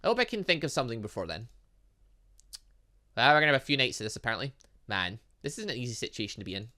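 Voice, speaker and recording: A man hosts a gaming let's play in a bright, forceful voice. His pitch moves about a lot as he rambles through his thoughts and switches between reading text aloud and commenting on it. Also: very animated, fast talker. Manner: rambling, thinking out loud. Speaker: gaming channel host.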